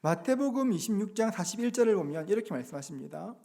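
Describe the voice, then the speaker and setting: A man pastor delivers a Sunday sermon in a high, rising-and-falling voice. He is earnest and turns to the congregation with rhetorical questions, softening his tone as he voices gentle quoted words. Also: expressive, fast talker, gravelly.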